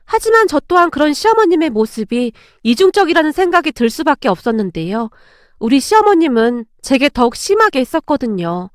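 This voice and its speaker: A woman's voice: sits high, sing-song, brisk, dry recording, studio quality. A woman telling a first-person story in scripted narration, confiding in tone.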